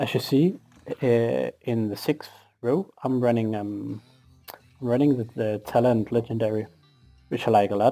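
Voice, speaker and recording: With music playing behind him, a man speaks at a moderate pace with a Danish accent, medium pitch and ordinary pitch variation, leaving long, frequent pauses. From Denmark. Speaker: gamer. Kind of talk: casual game tutorial narration.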